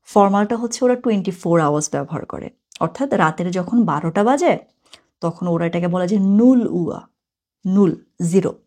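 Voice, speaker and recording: A woman's voice: fairly low pitch, lively intonation, normal speed, dark tone. A woman teaching German from a textbook, chatty, explaining words step by step and correcting herself as she goes.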